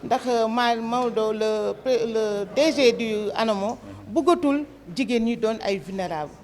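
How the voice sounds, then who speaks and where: A woman's voice: fairly high pitch, unhurried, darkish tone. A woman who took part in a training, explaining at length in an interview. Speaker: training participant. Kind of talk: interview answers.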